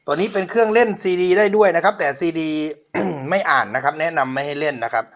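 A man's voice: fairly high pitch, expressive, quick pace, gravelly, a bit bright. A middle-aged man hosting his own channel, politely showing viewers an old cassette player and talking to them often. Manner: polite, repeatedly addresses viewers. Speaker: channel host reviewing a cassette player for sale. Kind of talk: casual product demo.

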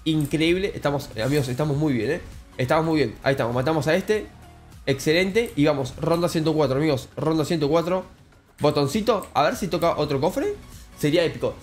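A young man with a Rioplatense Spanish accent giving excitable Let's Play commentary, addressing viewers as friends. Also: fairly quick, soft background music. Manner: excitable, calls viewers "cracks" and "amigos", jumps high when thrilled. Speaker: gaming YouTuber.

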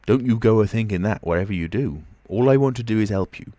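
A man voicing a rough, excitable old tramp in an audiobook, talking in a flustered, rustic way. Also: mid-range voice, a little fast, no echo, voice pushed up, natural voice. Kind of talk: audiobook character voice.

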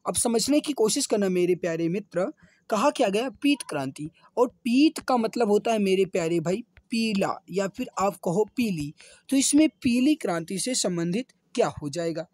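A male exam coach speaks in a slightly hoarse voice. He explains quiz answers with frequent repetition and familiar address to his viewers. The sound is dry, with very little room in it. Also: high voice, a little mellow, dry recording. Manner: repetitive, addresses viewers as dear brothers and friends. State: slightly hoarse, sore throat.

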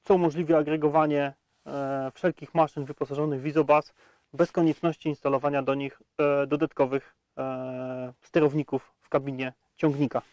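A man's voice: on the high side, level tone, normal speed, a little mellow, dry recording. A man in his thirties presenting a tractor test outdoors in a field, talking with frequent hesitation sounds between facts. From Poland. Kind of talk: product review walkaround.

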